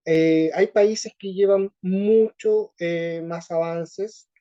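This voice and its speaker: A man with a Chilean accent answering interview questions slowly, with many pauses and fillers. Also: high-pitched, steady tone, dark tone, muffled recording. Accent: Chilean Spanish. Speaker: interview guest. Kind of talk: conversational interview.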